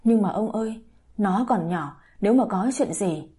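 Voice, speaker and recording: A sharp-tongued grandmother in an audio story, scolding shrilly between tears, as a woman narrator puts her on. The voice is husky and dark. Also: medium pitch, lively intonation, normal speed. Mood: tearful.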